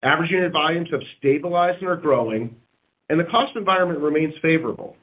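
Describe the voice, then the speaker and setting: A man speaking as a company executive on an earnings call, in measured corporate phrasing. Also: fairly high pitch, animated. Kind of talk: prepared remarks and corporate question answering. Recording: dull, lo-fi conference call audio.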